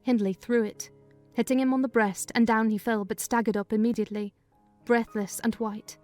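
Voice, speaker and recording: A woman giving a dramatized first-person reading of a classic novel in measured, clear storytelling. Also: a little high, steady tone, a little mellow, soft background music. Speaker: reader of a novel.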